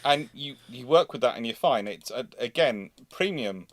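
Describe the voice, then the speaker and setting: A man hosting a casual live question-and-answer stream, speaking haltingly, often repeating phrases and interrupting himself. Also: mid-range voice, lively intonation, dry recording, studio quality. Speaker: livestream host.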